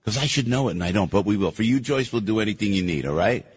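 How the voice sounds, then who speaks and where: A man's voice: lowish voice, lively intonation, quick pace, husky, in a large hall. A man hosting a radio show in casual chat, effusive and grateful toward callers. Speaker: radio host.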